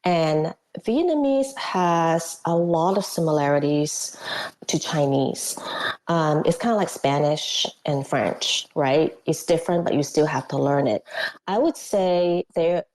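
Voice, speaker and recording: A woman recounts her experiences in a casual interview. Her voice sits a little low, and she tells things with animation, slipping into little acted quotes and laughter between fillers. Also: unhurried, a little mellow, rough recording. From Hong Kong. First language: Cantonese. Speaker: guest, former missionary.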